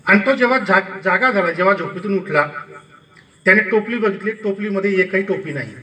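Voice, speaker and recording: A man at an outdoor village campaign rally, telling a folk tale to the crowd in a lively storytelling manner. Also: sits high, fairly quick, recorded from a distance, poor audio. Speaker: campaign speaker.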